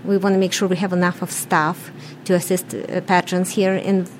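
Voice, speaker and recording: A middle-aged woman from Ukraine with a Russian accent, answering interview questions in a plain, halting way and dropping small words. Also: lowish voice, level tone, slight background noise, rough recording. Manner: plain, halting, drops articles. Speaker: business owner.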